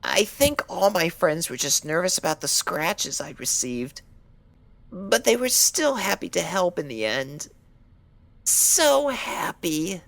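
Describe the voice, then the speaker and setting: A woman's voice: lowish voice, very animated, takes it slowly, gravelly, no room sound, full character voice. A woman voicing a timid, injured young female pony in a dramatized story reading, hesitant and meek, with anxious pleading. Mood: wistful. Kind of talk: dramatized fan fiction reading.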